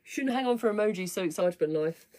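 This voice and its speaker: A woman hosting a fitness studio livestream, chatting casually to viewers in a slightly croaky, rough voice, rambling with lots of fillers. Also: mid-range voice, lively intonation, racing, warm tone. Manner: chatty, rambling, self-deprecating, many fillers. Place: home, at a desk. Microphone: webcam or computer mic at a desk.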